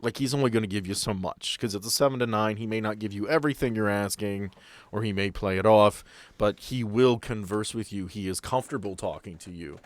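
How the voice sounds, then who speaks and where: A man running a tabletop game as game master, explaining rules in a relaxed, casual way. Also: fairly low pitch, fairly quick, dry recording. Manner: relaxed, explanatory, laughs easily.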